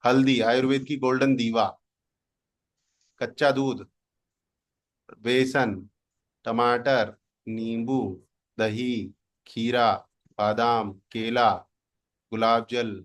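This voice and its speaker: A man's voice: mid-range voice, little pitch movement, slow pace, pauses often. A man from India running an online class as a digital marketing coach, teasing and boastful, slipping English words into his Hindi. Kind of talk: live online class demo.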